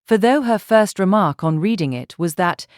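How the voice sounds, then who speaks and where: A woman reading a literary audiobook as narrator, measured and articulate. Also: medium pitch, lively intonation.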